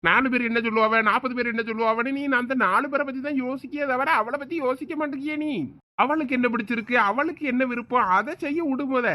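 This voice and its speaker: A man playing a soft-hearted village father who coaxes and defends his daughter. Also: very high-pitched, steady tone, fast. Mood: coaxing. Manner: coaxing, pleading. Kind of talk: comedy skit acting.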